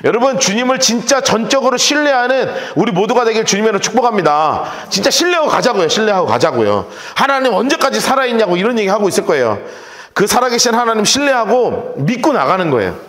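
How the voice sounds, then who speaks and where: A man's voice: sits high, very animated, fast, a bit bright. A male pastor giving an emphatic Bible study sermon in a church, repeating phrases for effect. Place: church sanctuary. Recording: echoey hall reverb.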